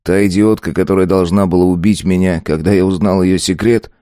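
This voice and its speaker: A man's voice: sits low, steady tone, a little fast, warm tone, no room sound, studio quality, natural voice. A man voicing a bitter, short-tempered young man who answers curtly and snarls when pushed. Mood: dismissive. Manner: curt, snarling. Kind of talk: audiobook character voice.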